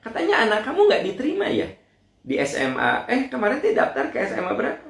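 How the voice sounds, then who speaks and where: A man's voice: wildly swooping pitch, quick pace, gravelly, exaggerated voice. A man putting on the voice of a nosy, prying middle-aged woman who needles people with mocking questions. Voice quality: shrill mocking falsetto. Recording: roomy echo.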